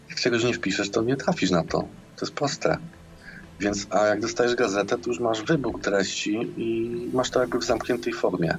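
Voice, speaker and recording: Music plays in the background as a voice speaks at a moderate pace with ordinary pitch variation. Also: man, medium pitch for a man. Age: 40s. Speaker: blogger and magazine editor. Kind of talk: casual chat.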